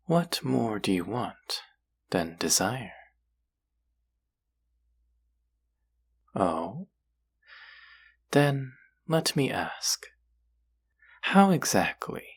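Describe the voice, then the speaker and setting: A male actor plays a seductive, possessive demon in an intimate audio drama. The voice is very low and husky, and it moves slowly. The delivery is teasing and menacing, often sinking into a whisper. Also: exaggerated voice. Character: possessive, seductive demon who craves human hearts. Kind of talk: intimate scripted audio roleplay.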